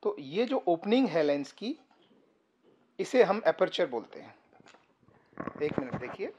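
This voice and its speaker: A man with a voice a little higher than most gives a patient photography lesson straight to the camera. He explains one idea at a time, pausing often and filling gaps with short hesitations. He sits indoors on a sofa, picked up by a camera a few feet away. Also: very animated, dull audio, noisy background. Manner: patient, step-by-step explaining with frequent pauses and fillers. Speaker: photography teacher. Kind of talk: casual explainer tutorial to camera. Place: indoor room, seated on a sofa. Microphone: camera about three feet away.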